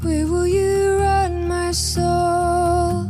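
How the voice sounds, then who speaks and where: A woman singing a worship song in soft, sustained phrases over guitar. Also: very high voice, monotone, extremely slow. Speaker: singer. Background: loud guitar backing.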